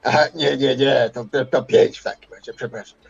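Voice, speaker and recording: Gravelly, husky man, hesitant and wordy. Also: mid-range voice, steady tone, a little fast, muffled recording. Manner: hesitant, wordy, repeats himself. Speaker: player in a tabletop roleplaying game. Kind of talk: improvised in-character roleplay.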